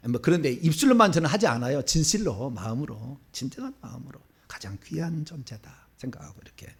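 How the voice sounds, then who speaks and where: A man's voice: mid-range voice, lively intonation, quick pace, vocal fry, husky. A man in his fifties from Seoul, a pastor preaching a sermon in church, asking the congregation rhetorical questions and chuckling in asides. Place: church sanctuary.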